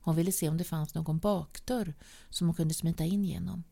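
A woman reading a short story aloud as narrator, measured and at times sinking to a whisper. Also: on the low side, fairly even intonation, gravelly, dark tone. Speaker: audiobook reader.

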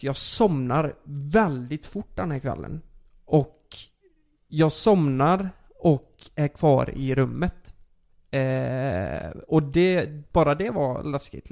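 Gravelly young man telling a story. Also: a little high. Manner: animated, many fillers and swearing. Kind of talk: casual storytelling.

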